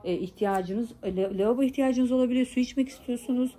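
A woman's voice: on the high side, a little fast, dark tone, soft background music. A pregnant young woman vlogger telling her viewers about an argument, quoting each line with repeated asides. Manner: indignant, quotes dialogue with constant "dedim" asides. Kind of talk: casual storytelling to viewers.

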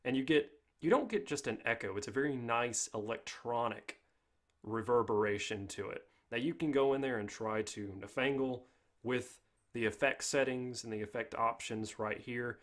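A man's voice: mid-range voice, normal speed. Man casually hosting a tutorial. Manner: informal step-by-step explaining. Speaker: tutorial host. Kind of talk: casual software tutorial narration.

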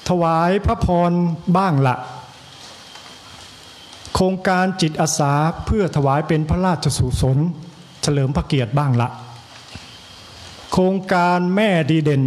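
Slow-preaching man with an Isan accent. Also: a little high, animated. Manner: slow, measured preaching with pauses and repetition. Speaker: monk. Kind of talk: evening sermon. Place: temple hall.

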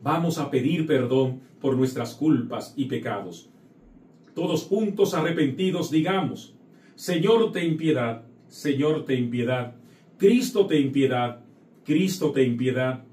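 A man's voice: medium pitch, lively intonation, takes it slowly, a little mellow. A man, a Catholic priest leading Mass with prayers and readings, recorded indoors on a distant microphone. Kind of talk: liturgical prayer, scripture reading and address to the faithful. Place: indoor chapel set at an altar. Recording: echoey room, distant microphone.

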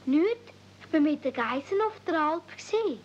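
A woman's voice: sits high, animated, moderate pace. A woman with a Swiss German accent playing a blunt, artless seven-year-old mountain girl in a 1970s radio play. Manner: plain, blunt. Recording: dull old cassette transfer.

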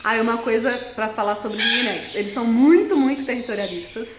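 A woman's voice: fairly high pitch, quick pace. A young woman chatting casually about her pet parrots, scolding them playfully, in an indoor bird room. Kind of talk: casual chat to camera. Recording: echoey room, loud bird noise. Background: loud parrot squawks and chirps.

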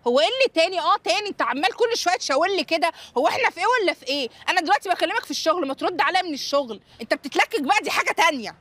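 An impatient woman pressing her partner in sharp, sarcastic Egyptian Arabic. Her voice sits high and she talks very fast. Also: animated, dry recording. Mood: exasperated.

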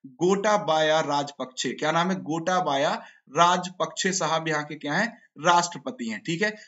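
A hoarse man teaching a live online exam-prep class, quizzing students and repeating each answer. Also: high voice, a bit bright. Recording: dull lo-fi stream audio.

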